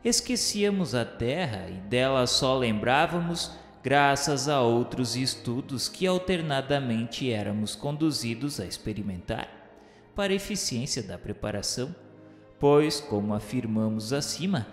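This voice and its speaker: Male narrator, medium pitch, devout and measured radio drama reading, heavy hall echo over music. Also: animated. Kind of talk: solemn scripted literary narration. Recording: echoey hall-like reverb with music.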